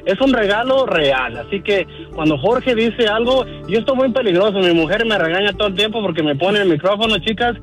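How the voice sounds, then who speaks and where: Mexican man, high pitch, folksy chatty manner, faint music behind, radio interview. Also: expressive, a little fast. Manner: warm, folksy, lots of fillers. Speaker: guest, car dealer.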